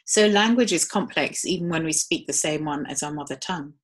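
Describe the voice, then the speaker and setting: A woman's voice: sits low, fairly quick. A woman giving a live webinar talk in a conversational way, with frequent ums. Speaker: webinar presenter.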